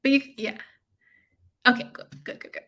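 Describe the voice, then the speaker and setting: A woman's voice: normal speed, sharp tone. An American woman hosting a live watch-along, chatting casually with viewers in an informal, effusive, slangy way. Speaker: livestream watch-along host. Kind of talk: casual live chat with viewers and fight commentary.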